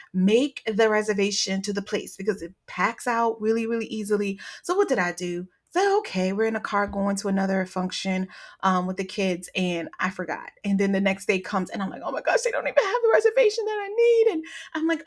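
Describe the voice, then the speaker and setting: A woman in her thirties hosting her own podcast, telling stories in a chatty, animated way with plenty of fillers. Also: medium pitch, brisk. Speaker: podcast host. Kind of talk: casual solo podcast talk.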